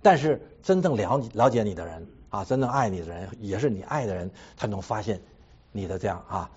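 Husky man telling an animated testimony. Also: lowish voice, brisk, highs cut off. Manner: animated storytelling with repeated phrases and a habitual trailing "ha"; laughs at himself between points. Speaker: Christian speaker giving a personal testimony. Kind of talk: personal testimony to a congregation.

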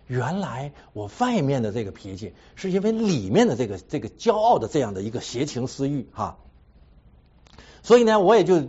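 Casting: husky-voiced man, lively swooping delivery, self-mocking church testimony, dull lo-fi recording. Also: a little high. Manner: animated storytelling with repeated phrases and a habitual trailing "ha"; laughs at himself between points. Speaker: Christian speaker giving a personal testimony. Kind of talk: personal testimony to a congregation.

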